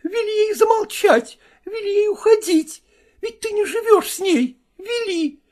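A man's voice: extremely high pitch, measured pace, darkish tone, voice pushed up. A man reading aloud voices a young woman, a defiant mistress who pleads and protests. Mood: indignant, pleading. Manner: pleading, indignant. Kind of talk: audiobook reading of a classic novel.

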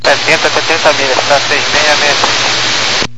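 Higher-voiced man on very noisy cockpit radio. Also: flat delivery, unhurried. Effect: crackly cockpit radio transmission. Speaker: airline pilot. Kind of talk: clipped aviation radio readbacks. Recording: crackly radio with very loud noise.

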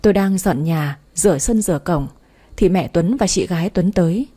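A woman reads a first-person story aloud in an even, storytelling way. Her voice is warm and mellow, with a slightly husky, breathy texture. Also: on the low side, moderate pace. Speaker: narrator.

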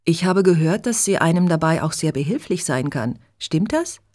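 A woman's voice: on the low side, lively intonation, moderate pace, darkish tone. A woman voicing an eager but unsure young woman who asks many questions, in a storybook reading. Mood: curious.

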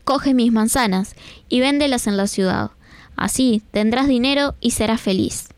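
A woman voicing a gentle, generous old apple tree in a soft, tender tone, on a children's radio story. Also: a little high, moderate pace, dry recording, lightly acted.

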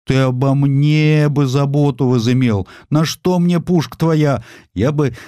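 A man's voice: medium pitch, a little slow, dark tone, no echo, clean studio sound, voice pushed up, lightly acted. A man voicing an offended, pouting merchant's wife who complains to her husband in an audio story.

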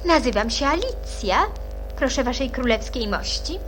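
A woman's voice: a little high, lively intonation, normal speed, close to an everyday voice. An actress playing a curious, outspoken young girl in a children's radio play, both acting and narrating. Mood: polite, frank. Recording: music behind the voice.

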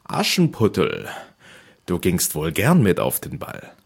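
A man's voice: on the low side, expressive, unhurried. A man doing scornful proud stepsisters. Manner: scornful, taunting. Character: stepsisters, proud and mocking young women.

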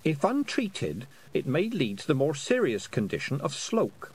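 A stubborn young girl who wants to be a witch, as a male narrator voices her, earnest and sharp-tongued. The voice is lifted higher than his own and moves lively up and down. She presses and pleads in a quick, plain way. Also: husky, heavily acted. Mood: reading aloud. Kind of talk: audiobook character voice.

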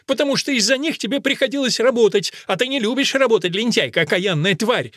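Man voicing a shrill older nun, shrieking, accusing, high, dry close sound. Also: expressive, fast, a bit bright, dry recording. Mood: furious.

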